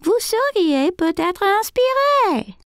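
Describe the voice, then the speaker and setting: A woman voicing a kindly, gentle older grandmother in a children's cartoon. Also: very high voice, very animated, takes it slowly, dry recording, full character voice. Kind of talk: children's cartoon dub acting. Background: children's music.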